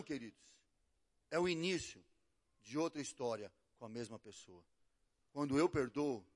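A middle-aged Brazilian man preaching as a pastor, telling a story and swinging between hushed and loud delivery. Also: medium pitch. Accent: Brazilian Portuguese. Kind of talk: sermon with acted quotes.

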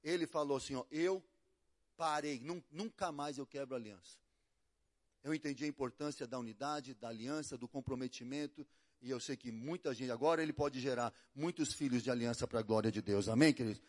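A middle-aged Brazilian man preaching as a pastor, telling a story and swinging between hushed and loud delivery. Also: medium pitch, fast. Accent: Brazilian Portuguese. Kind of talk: sermon with acted quotes.

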